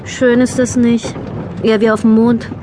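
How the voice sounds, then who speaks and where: A woman's voice: fairly high pitch, little pitch movement, moderate pace, noisy background, natural voice. An actress playing a blunt, contrary young woman in an audiobook drama, in dialogue and diary monologue. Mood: blunt, dismissive. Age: young adult. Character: Jola, blunt, contrary woman of about thirty.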